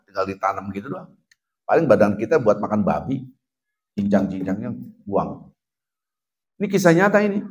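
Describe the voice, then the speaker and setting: Animated Indonesian preacher. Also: male voice. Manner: animated, swings from loud exclamations to low mutters. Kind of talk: dawn mosque lecture.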